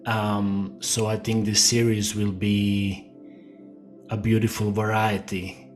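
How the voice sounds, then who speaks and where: A middle-aged man from Croatia, a guest speaking slowly and hesitantly with many fillers in a casual interview. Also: fairly low pitch, flat delivery, soft background music.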